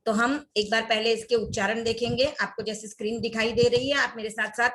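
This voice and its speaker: A woman's voice: on the high side, fairly even intonation, fairly quick, fairly bright tone, poor audio. A young woman teaching an online class, reciting prayer words one at a time and repeating each twice for her students.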